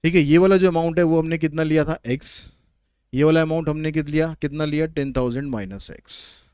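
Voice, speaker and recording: A man's voice: a little high, brisk, a little mellow, clear, resonant tone, no echo, clean studio sound. A man teaching a maths lesson online, explaining problems step by step in a chatty, nudging way. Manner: explains step by step, code-switching English questions into explanation.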